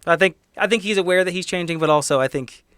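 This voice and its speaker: A man talking casually and haltingly as a player and co-host of a tabletop game podcast. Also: high-pitched, fairly bright tone, smooth, no room sound, clean studio sound.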